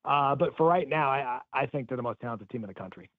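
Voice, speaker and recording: Fast-talking man on a tinny phone line. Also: mid-range voice, expressive, no echo. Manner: rapid, emphatic football breakdown. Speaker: guest analyst. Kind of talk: phoned-in sports talk. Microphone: phone call.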